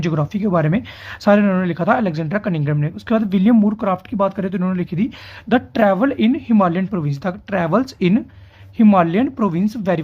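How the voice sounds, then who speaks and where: A man teaching competitive exam quiz questions in a brisk, repetitive style. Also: sits high. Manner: quick, repeats key answers with emphatic checks. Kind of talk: quiz lesson explanation. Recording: dull lo-fi audio.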